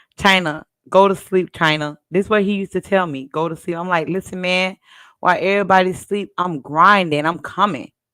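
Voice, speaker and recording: Bright and sharp in tone, this voice carries a Southern US accent at a fairly quick pace with ordinary pitch variation, recorded dry and close with no echo against a silent background in a very clean recording. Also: woman, medium pitch for a woman. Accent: Southern US accent, country. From South Florida. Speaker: livestreamer. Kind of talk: livestream monologue.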